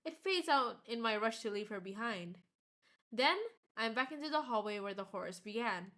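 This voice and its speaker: Animated higher-voiced woman streamer reading aloud. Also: normal speed. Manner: expressive storytelling. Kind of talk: reading a visual novel aloud, dramatic narration.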